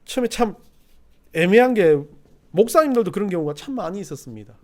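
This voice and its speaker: A middle-aged man preaches in a church, his voice sitting high and moving widely up and down. He drifts between chatty, quiet anecdotes and loud, pressing exhortation. The delivery is that of a pastor at the pulpit. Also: animated, fast talker. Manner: folksy storytelling, swinging from quiet asides to loud exhortation. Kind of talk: sermon. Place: church sanctuary.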